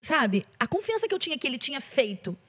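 A woman's voice: high-pitched, very animated, fast talker, fairly bright tone. A Brazilian woman who is a gospel singer, sharing an emotional testimony in a casual chat and repeating phrases for emphasis. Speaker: gospel singer, podcast guest.

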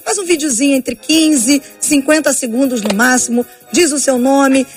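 A woman co-hosts a radio show, earnestly inviting listeners to write in, with a fairly high voice. Faint music plays underneath. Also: moderate pace. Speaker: radio co-host. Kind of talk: radio announcement.

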